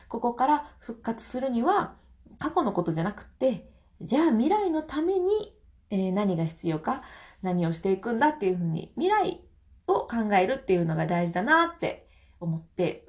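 A woman's voice: medium pitch, a little mellow. Kansai woman doing a chatty solo podcast, laughs a lot, answers listener comments. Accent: Kansai Japanese. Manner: chatty, laughs often between phrases; reacts aloud to listener comments. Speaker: podcast host. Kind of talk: casual solo audio chat.

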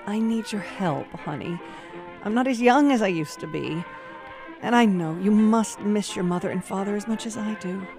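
A woman playing a kindly but stern elderly grandmother, gently firm and compassionate, in an audio drama. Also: medium pitch, moderate pace, faint music behind, lightly acted. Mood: tender. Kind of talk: cinematic audio drama roleplay.

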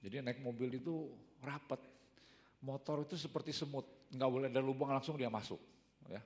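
An older man gives a casual, rambling talk full of everyday stories, often ending sentences or filling pauses with a short "ya." His mid-range voice is fairly even in intonation and a little mellow, with long hall reverb on the recording.

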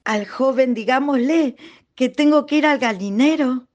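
Woman as sentimental chilean village ghost lady, radio play, really high voice, slow deliberate folksy talk, tender. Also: darkish tone, highs cut off. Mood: wistful farewell. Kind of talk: radio drama acting.

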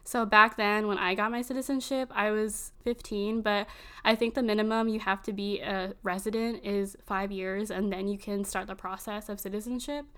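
Young woman, filipino first language, smooth clear voice, rambly chat w lots of likes. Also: mid-range voice, fairly even intonation, bright, forceful tone. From Virginia, United States. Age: early 20s. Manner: rambling, fills every pause with "like". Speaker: conversation partner. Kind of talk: casual chat.

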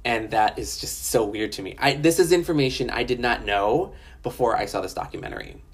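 A woman's voice: extremely low pitch, a little fast, husky. A woman in Los Angeles giving a casual, chatty spoken review of a documentary, frank and often profane, with lots of fillers.

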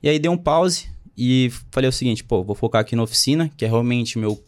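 A man's voice: medium pitch, animated, fairly quick. A young man in his twenties, casually telling his life story in a slangy way, often quoting what others said. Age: 20s. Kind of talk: casual chat.

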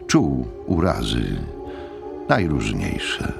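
A man with a deep gravelly voice narrating a scripted audiobook story. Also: huge pitch swings, very slow, music in the background.

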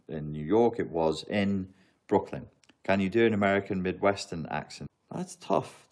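A man's voice: low voice, a little mellow. A man, chatting casually on a live stream, answering viewer questions in a rambling, joking, self-mocking way.

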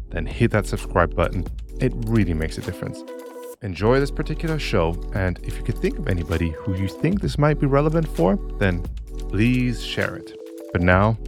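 A man with a fairly low voice opens a podcast in an earnest, measured way. He reads a prepared intro to his guest. Music plays clearly under him. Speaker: podcast host.

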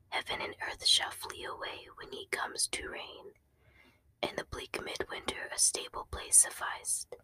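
Slow-whispering woman reading poems. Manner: soft unhurried whisper; occasionally stumbles over words. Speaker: host of an ASMR channel. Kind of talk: ASMR poetry reading.

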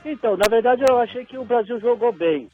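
A man in his forties phones in to a show, his high voice thin and husky down the line. The sound is dull and lo-fi, squeezed through a telephone. He talks in a friendly, opinionated way. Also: brisk, soft background music. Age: 40s. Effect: over the phone. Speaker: caller. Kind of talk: casual call-in chat.

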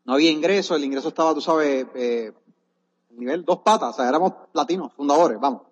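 A man's voice: a little high, brisk, breathy edge. Man, motivational seminar speaker; earnest and urging, long hall echo, muffled sound. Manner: earnest, exhorting the audience. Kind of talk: motivational testimony on stage. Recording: dull echoey hall recording.

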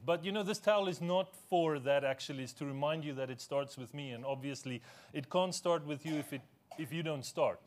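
A man whose first language is Afrikaans, preaching a conversational sermon in a church, with easy humor and questions put to the congregation. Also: medium pitch.

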